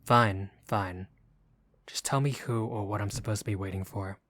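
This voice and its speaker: A man's voice: fairly low pitch, fairly even intonation, normal speed, fairly bright tone. A man playing a wary, streetwise young gangster for hire in a roleplay audio drama, guarded and sardonic, with casual street talk. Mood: suspicious, exasperated.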